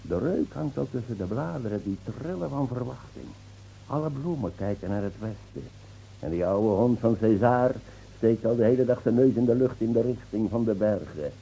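An actor playing a whimsical, boastful drunken idler who teases and talks poetically in a radio play. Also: male voice, medium pitch, animated, normal speed, gravelly, dark tone, slight background noise. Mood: prophetic, dreamy. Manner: teasing, poetic, theatrical. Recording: muffled old radio play recording.

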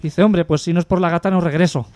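A man's voice: a little high, steady tone, quick pace. A man co-hosting a radio comedy show, telling jokes in a dry, matter-of-fact way. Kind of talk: reading jokes on local radio.

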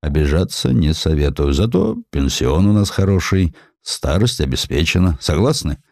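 A gloomy secret police chief acted by a male narrator in a historical audio drama. He is low, gruff and bullying, with blunt phrasing and a dark, dry sound. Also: very animated, moderate pace, no room sound, heavily acted.

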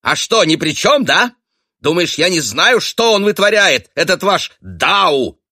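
A man voicing a shrill, furious wife who screeches accusations at her husband in an audiobook. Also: sing-song, a little slow, pushed and bright, slightly rough, no room sound, studio quality, heavily acted. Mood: bitter, accusing. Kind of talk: audiobook character voice.

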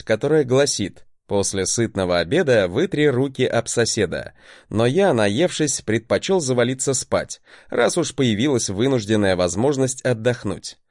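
A man's voice: mid-range voice, a little mellow, dry recording, studio quality. A man giving a wry, conversational first-person audiobook narration.

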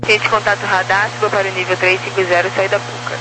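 A man's voice: high voice, little pitch movement, fast. A man with a Brazilian accent issuing air traffic control instructions over a two-way radio. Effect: heard over two-way radio. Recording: very noisy aviation radio transmission.

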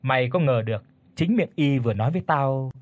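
A man reading as a gentle, sad schoolgirl. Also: mid-range voice, lively intonation, fairly quick, dry recording, natural voice. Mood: sad, hesitant. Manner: soft, hesitant.

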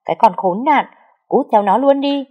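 A woman's voice: fairly high pitch, normal speed, dull audio, voice pushed up, lightly acted. A woman voicing a cruel, heavyset middle-aged aunt who screams curses while throwing her niece out. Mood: screaming abuse. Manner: screeching, cursing.

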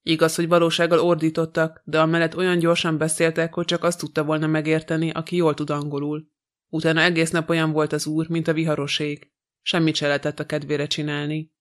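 A gossipy young housemaid, read out by a man with a fairly high voice that stays very flat. She keeps talking at the same level tone, line after line, in a storybook reading. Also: lightly acted. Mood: gossiping. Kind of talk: audiobook reading.

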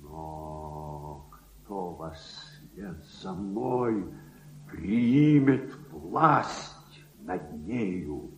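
A man's voice: sits low, animated, extremely slow, slight background noise, full character voice. An actor playing an old miserly baron in a radio play, declaiming verse as a tormented man hungry for power and in love with his treasure. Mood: exultant, power-drunk. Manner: declamatory, from hushed gloating to anguished cries. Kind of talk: theatrical dramatic monologue in verse, Russian radio play. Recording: echoey, dull archival radio recording.

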